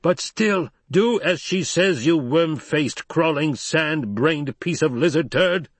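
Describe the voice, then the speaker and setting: A man voicing a gruff, commanding male desert tribal leader who roars and hurls insults. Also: mid-range voice, expressive, normal speed, no room sound, voice pushed up. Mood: blustering. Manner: roaring, blustering, insulting.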